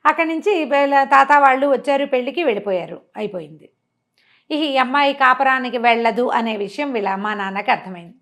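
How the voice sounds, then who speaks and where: A woman storyteller retelling a story in a conversational, expressive way, mixing in some English words. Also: high voice, fairly quick. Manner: expressive, acts out characters' dialogue.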